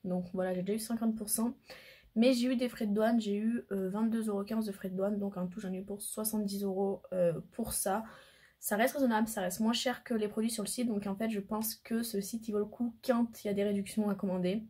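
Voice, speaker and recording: A woman's voice: mid-range voice, fairly even intonation, a little fast, warm tone, slightly rough. A woman chatting casually in a makeup vlog at home, rambling with lots of fillers as she swatches products. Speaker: beauty vlogger. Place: home room by a window. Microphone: camera mic.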